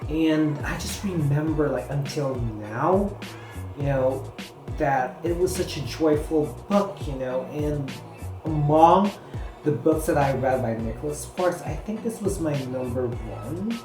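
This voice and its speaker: With lively intonation and a measured pace, a mid-range-voiced book reviewer from the Philippines talks casually to camera, her first language Filipino. Her chatter rambles, packed with "you know" and "like", in an echoey room with music.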